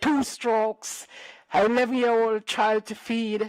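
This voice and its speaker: Speaking at a fairly slow pace, a woman with a fairly high pitch is heard in a dry, close sound with no echo. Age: 50s. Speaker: domestic worker organizer. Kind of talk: testimony at a public hearing. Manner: halting.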